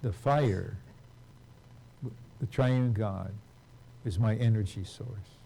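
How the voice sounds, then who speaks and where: With audible room echo, a man speaks at a very slow pace in a somewhat breathy voice with a dark, mellow tone. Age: 80s+. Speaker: church speaker. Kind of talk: sermon.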